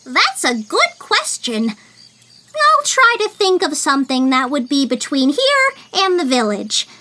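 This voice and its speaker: A woman's voice: sits high, huge pitch swings, slow pace, pushed and bright, exaggerated voice. A woman playing a helpful, cheerful young female cartoon ape guide in a fan audio drama. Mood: upbeat. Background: music.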